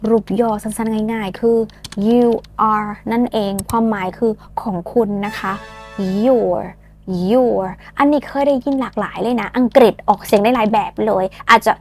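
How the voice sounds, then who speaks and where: Woman, English teacher, playful, teasing, slow pronunciation drills, faint background music. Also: fairly high pitch, steady tone, a little mellow. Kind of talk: lesson with repeat-after-me drills.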